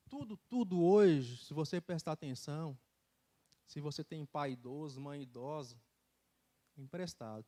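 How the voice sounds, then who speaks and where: A man preaches in a church. He tells his testimony in an animated, storytelling way, with casual asides and bursts of laughter. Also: fairly high pitch. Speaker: church speaker giving a testimony. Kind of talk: sermon testimony. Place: church sanctuary.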